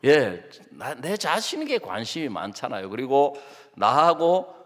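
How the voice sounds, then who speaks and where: A man preaching a sermon as a pastor, acting out his arguments and prayers, dropping to hushed asides and rising to loud outbursts, often asking the congregation short questions. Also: medium pitch, sing-song, measured pace. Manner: dramatic, swings between soft asides and loud outbursts. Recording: long hall reverb.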